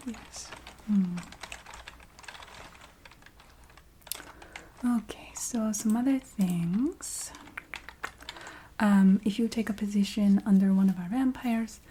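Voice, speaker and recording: A woman voicing a chatty, businesslike vampire recruiter in a soft whispered ASMR roleplay. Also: mid-range voice, slight background noise, close to an everyday voice. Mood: businesslike, confiding. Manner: hesitant, matter-of-fact, checking in with the listener.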